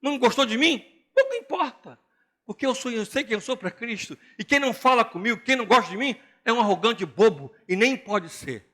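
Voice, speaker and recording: Older brazilian pastor guy preaching, jokey and animated, high bright voice. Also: brisk. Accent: Brazilian Portuguese. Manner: animated and joking, mimics other voices. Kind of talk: sermon.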